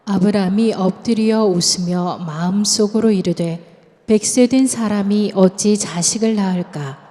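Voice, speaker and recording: A woman reading scripture aloud in a steady, measured way. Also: medium pitch. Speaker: scripture reader. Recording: long church reverb.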